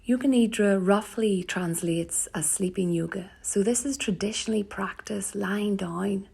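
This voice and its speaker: Female yoga teacher, guided meditation, husky breathy voice, medium pitch, soothing, gentle pauses.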